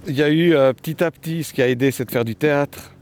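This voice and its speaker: A man's voice: a little high, fast talker, darkish tone. A man being interviewed as an author, with a light Swiss French accent that has an unplaceable touch. He talks in a thoughtful, hesitant way with many fillers, walking outdoors. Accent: light French-speaking Swiss with an unplaceable touch. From Romania. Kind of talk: conversational interview.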